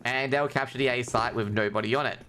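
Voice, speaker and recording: Guy streaming esports commentary, chatty and jokey, mid pitched voice, some noise and clicks behind him. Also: fairly even intonation, quick pace, fairly bright tone. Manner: jokey, informal, chatty with viewers. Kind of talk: casual live game commentary with chat banter. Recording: clear background noise with clicks.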